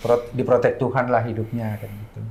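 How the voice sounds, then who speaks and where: A man's voice: mid-range voice, level tone, brisk, vocal fry, darkish tone, roomy sound. A man, a grieving father, adding short remarks to his wife's answers in an interview. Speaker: bereaved father, guest.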